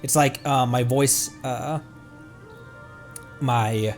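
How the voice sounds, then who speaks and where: A young man on a live stream with a middling, everyday pitch, his voice a bit shredded and pinched upward by a tight throat. He circles his thoughts with plenty of ums and restarts, and faint game music sits behind him. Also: steady tone, very slow. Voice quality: tight throat, voice pushed into a higher register. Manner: rambling, with many fillers and self-corrections. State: strained, slightly shredded voice. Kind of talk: casual live gameplay commentary.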